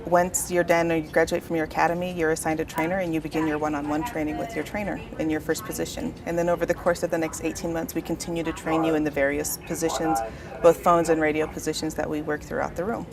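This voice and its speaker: A woman with a fairly low voice and heavy creak talks as a dispatcher being interviewed. She explains things conversationally. Other voices are clearly audible in the background. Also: little pitch movement, quick pace. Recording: busy chatter behind the voice.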